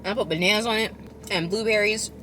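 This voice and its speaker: Woman, bright forceful voice, chewing while talking, casual food vlog, rambling and emphatic, faint background noise. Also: mid-range voice, fast talker. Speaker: food review vlogger. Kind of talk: casual chatty eating vlog.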